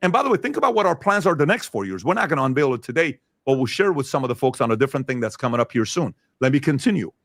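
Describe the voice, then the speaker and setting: A man's voice: medium pitch, very animated, very fast, hardly any pauses, dry recording. A man in his forties gives an emphatic, confident business presentation. His voice sits in the middle of the range, and the recording is dry and close, with no room sound. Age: 40s. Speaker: business owner presenting results.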